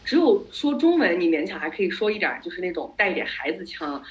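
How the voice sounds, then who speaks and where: A woman podcast host tells stories in a casual chat, speaking fast with a fairly low voice and animated delivery, sprinkling English words throughout. The audio is slightly dull and lo-fi.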